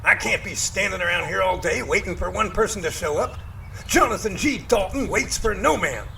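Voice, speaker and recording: A man playing a folksy, excitable professor who leads a search team in an amateur audio drama, with theatrical, old-fashioned phrasing. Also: high-pitched, moderate pace, gravelly, slight background noise, heavily acted. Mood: exasperated.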